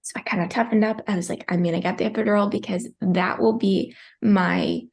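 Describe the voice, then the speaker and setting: A creaky mid-range voice with fairly even intonation and a fairly quick pace belongs to a woman in her twenties. She's a podcast guest telling her own birth story in a chatty, emotional manner, packed with fillers and "likes," and she's tearful at points.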